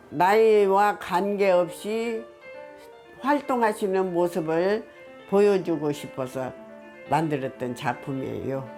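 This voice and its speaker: Over background music, a woman with a fairly low pitch speaks at a very slow pace, her pitch swinging very widely. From South Korea. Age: 80s+. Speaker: film director. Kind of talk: interview answer.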